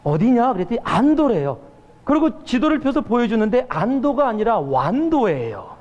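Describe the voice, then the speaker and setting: A man's voice: very high-pitched, big pitch swings, normal speed, a little mellow, lo-fi sound. A male pastor giving a sermon and telling stories with acted-out quotes. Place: church sanctuary. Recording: church hall reverb.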